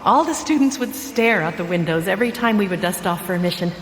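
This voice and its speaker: A woman's voice: medium pitch, expressive, fast, lightly acted. Echoey female mentor played by a woman. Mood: wistful. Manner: reassuring, guiding, earnest. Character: kind, experienced female psychic mentor guiding a recruit. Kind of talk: audio drama acting. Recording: echoey, reverberant, noisy.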